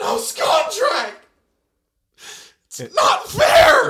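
An extremely high-pitched, put-on character voice carries the speech. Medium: actual play. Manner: anguished, furious.

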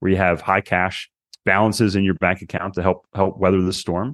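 A man's fairly low-pitched, unremarkable speaking voice at a fairly quick pace, dry and close with no echo, against a quiet background. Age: 40s. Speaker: real estate investor and financial educator. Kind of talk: interview.

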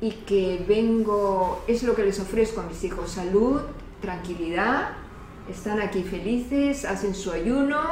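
A woman at a fairly slow pace with ordinary pitch variation, amid noticeable background noise and audible room echo. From Peru. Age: 70s. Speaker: fasting retreat participant. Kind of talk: interview.

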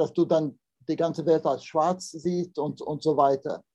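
With an English-speaking accent, a man speaks at a very slow pace in a high pitch, his tone dark and mellow and his intonation monotone and flat. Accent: English-speaking foreign accent in German. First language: English (speaking German). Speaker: psychiatrist. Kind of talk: interview. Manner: halting, many hesitations.

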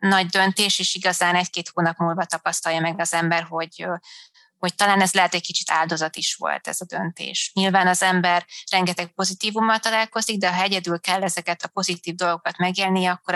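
Her bright, sharp voice is fairly low and delivered at a very fast pace in a monotone, flat way. The woman's sound is dry and close, with no echo. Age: 20s. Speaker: master's student abroad. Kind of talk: interview. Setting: remote call.

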